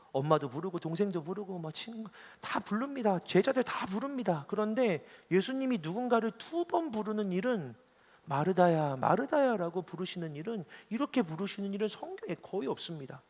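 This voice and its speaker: Male pastor with a high voice, earnest and emphatic sermon delivery, long reverb of a church hall. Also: a little mellow. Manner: earnest, emotional storytelling with emphatic repetition.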